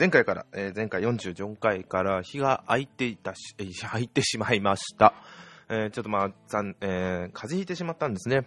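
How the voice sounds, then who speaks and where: A quiet man at a moderate pace, lively in intonation, in a dry, close sound with no echo. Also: fairly low pitch for a man, big swings in loudness. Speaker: podcaster. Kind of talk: solo casual talk.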